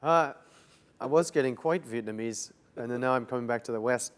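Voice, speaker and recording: Relaxed young Canadian-born man. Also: medium pitch, brisk. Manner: relaxed, loose, many "like" fillers. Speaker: interview guest. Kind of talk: casual interview answers.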